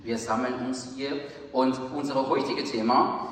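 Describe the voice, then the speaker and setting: A man in his 30s whose first language is Farsi delivers a sermon in a steady tone, halting and earnest as he searches for words. He is recorded from far off in a large, echoey church hall with faint hiss.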